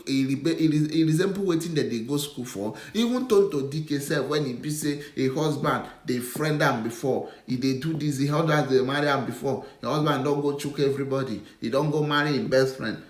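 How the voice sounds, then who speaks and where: A Nigerian man talks in a mid-range voice, scornful and lecturing as he mocks the person he is addressing. The recording is roomy, with a clear echo around him. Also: medium pitch. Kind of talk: scolding video response.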